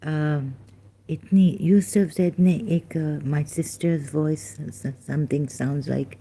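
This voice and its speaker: Low, slow, halting woman. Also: steady tone. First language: Khoja Sindhi. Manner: halting and soft, drifting between thoughts. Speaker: vlogger. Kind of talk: personal spoken monologue. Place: home, resting.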